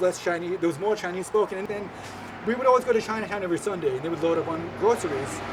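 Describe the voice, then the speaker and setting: Talking at a very fast pace with a New York accent, a man's high-pitched voice comes through noticeable background noise. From New York City, Queens. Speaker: playwright and performer. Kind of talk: oral history tour talk. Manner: halting.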